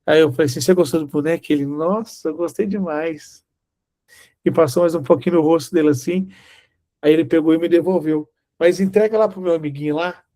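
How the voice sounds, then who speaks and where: A man's voice: a little high, steady tone, quick pace, warm tone. A man preaching a sermon, telling a personal story and acting out the dialogue. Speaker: Bible teacher.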